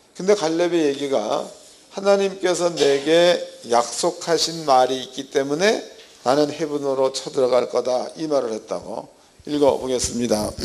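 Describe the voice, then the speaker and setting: Fairly high-pitched man at a fairly slow pace with ordinary pitch variation, audible room echo and noticeable background noise. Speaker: pastor. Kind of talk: bible lecture.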